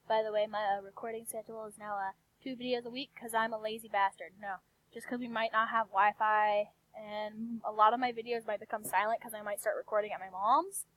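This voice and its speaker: A woman's voice: mid-range voice, steady tone, a little fast, fairly bright tone, poor audio. A young woman chatting casually to viewers as an amateur video maker, crude and self-mocking.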